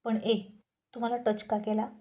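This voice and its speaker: A woman's voice: on the high side, flat delivery, measured pace, dark tone, natural voice. A woman voicing a handsome, gym-going young man who teases and lectures his wife in a story reading.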